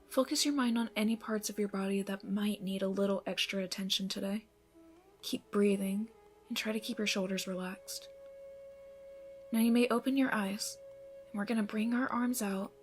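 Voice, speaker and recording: Actress as calm, encouraging female yoga teacher for ASMR roleplay; soft, near-whispered guidance, medium pitch, light music underneath. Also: natural voice. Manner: soothing, breathy instructions, often softening toward a whisper. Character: gentle, encouraging female yoga instructor leading a morning class. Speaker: yoga instructor.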